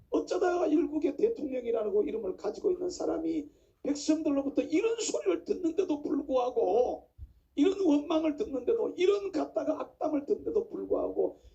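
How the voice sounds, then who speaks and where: Man, fiery pastor sermon, very high-pitched, dull lo-fi sound. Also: very animated, a little fast, gravelly, mellow. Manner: impassioned, emphatic preaching with rhetorical questions. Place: church pulpit. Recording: dull lo-fi recording.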